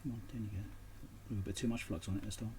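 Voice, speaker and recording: A man's voice: on the low side, steady tone, fast, darkish tone. Man muttering at a noisy workbench. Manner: muttering to himself while working, in short broken phrases. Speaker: electronics repair hobbyist and video host. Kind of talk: casual unscripted workbench commentary.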